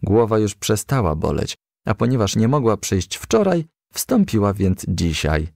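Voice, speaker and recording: A man narrating a children's storybook as a gentle, lively storyteller. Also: lowish voice, a little slow, creaky, no echo, clean studio sound.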